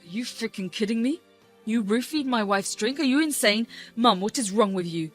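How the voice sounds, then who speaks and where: A betrayed grown son, as a voice actor plays him confronts his mother in outrage, in a middle-pitched voice. Faint music plays underneath. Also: lively intonation, normal speed, close to an everyday voice.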